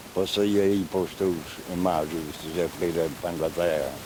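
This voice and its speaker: Over noticeable background noise, a man with a very deep, low voice speaks at a moderate pace with fairly even intonation. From Azores, Terceira island (Ribeirinha). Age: 60s. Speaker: bullfight rope handler. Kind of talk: interview about his life. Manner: halting.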